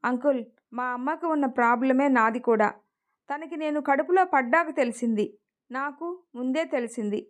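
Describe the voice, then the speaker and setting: A woman's voice: high-pitched, normal speed, natural voice. A woman voicing a stubborn young heroine who lost her father, in an emotional story reading. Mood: sorrowful.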